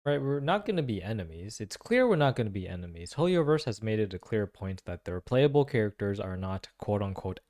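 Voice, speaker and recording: A man's voice: lowish voice, a little mellow. A man giving casual game reaction and analysis commentary, musing aloud with lots of questions and informal slang. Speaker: reaction video host.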